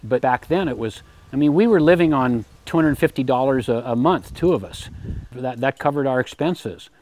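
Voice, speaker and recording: A man in his eighties giving a relaxed, rambling tour of his homestead, often repeating words while he thinks, on a lapel mic with faint background noise. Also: medium pitch, moderate pace. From United States. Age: 80s. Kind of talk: casual tour talk. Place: outdoor garden and home pantry.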